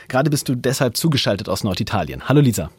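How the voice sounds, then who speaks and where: A man's voice: mid-range voice, very animated, fast talker, a little mellow, husky, no room sound. A man hosting a radio talk show from a studio, introducing guests in an upbeat way. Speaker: host.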